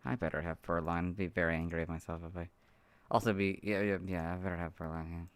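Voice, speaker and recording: A hoarse man who has lost his voice, chatting casually on a livestream while editing, muttering to himself with apologetic asides. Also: low-pitched, flat delivery, fast, no echo. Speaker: video creator streaming his editing. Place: home room, hot.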